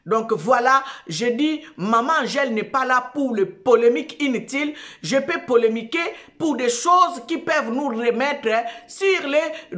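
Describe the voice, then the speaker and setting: Slow-preaching woman host. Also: sits high, fairly bright tone. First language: Lingala. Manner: slow, repetitive, emphatic, with restarts. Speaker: host of an online show. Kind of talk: preaching talk show monologue.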